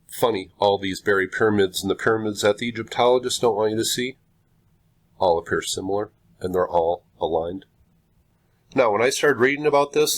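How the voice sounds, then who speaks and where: Congested man speaking in slow, halting commentary. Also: on the low side. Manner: slow, halting, with frequent pauses. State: stuffed up, congested. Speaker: video host. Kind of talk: casual commentary, reading aloud from a website.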